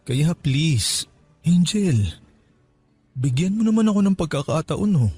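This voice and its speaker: Earnest, husky lovestruck suitor. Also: male voice, a little high, sing-song, measured pace, mellow, soft background music, exaggerated voice. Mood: earnest, pleading. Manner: pleading, insistent. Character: earnest, lovestruck young man begging for another chance. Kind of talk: radio romance drama acting.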